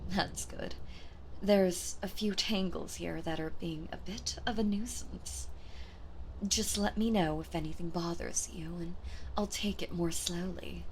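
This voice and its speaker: A woman voicing a gentle, doting villainess in an ASMR role-play, soft-spoken and soothing, often slipping into a soft voice. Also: on the low side, slow pace, slight background noise, rough recording. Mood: tender, soothing.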